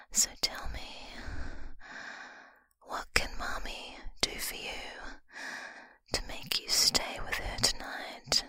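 A woman whispering slowly and intimately into a close microphone, with a breathy voice and frequent sighs. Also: sharp tone, no room sound. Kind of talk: whispered ASMR-style roleplay.

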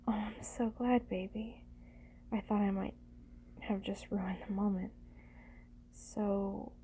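A woman playing a doting, teasing lover in an intimate ASMR roleplay, speaking gently and soothingly in a breathy voice that often slips into whispers. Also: medium pitch, lo-fi sound, slight background noise. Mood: sheepish, relieved.

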